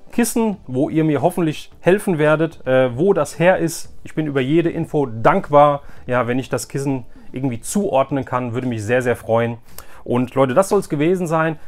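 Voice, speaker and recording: A man talking casually and informally to his viewers as the host of a haul vlog, chatty and direct. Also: a little high. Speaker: YouTube host, flea market collector.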